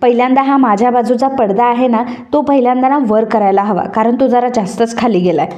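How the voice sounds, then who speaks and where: A woman's voice: on the high side, brisk, dark tone, close to an everyday voice. A woman voicing Kala, a teasing young wife. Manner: chatty, teasing.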